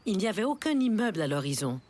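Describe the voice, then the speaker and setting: A woman acting as the gentle storybook narrator of a children's cartoon, reading scripted narration. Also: medium pitch, big pitch swings, quick pace. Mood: gentle storytelling.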